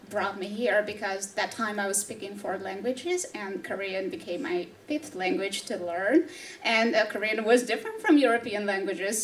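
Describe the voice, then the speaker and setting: A woman's voice: mid-range voice, recorded from a distance, slight background noise. A young woman from Moldova, a PhD student, eager and laughing readily as a radio panel guest. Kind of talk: casual chat on a radio panel. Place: radio studio stage with audience. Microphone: handheld mic.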